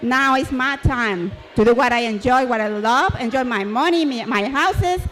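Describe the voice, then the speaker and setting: Against noticeable background noise, a woman with a Latin American accent speaks in a high pitch with lively intonation. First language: Spanish. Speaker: real estate investor, panelist. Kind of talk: panel discussion.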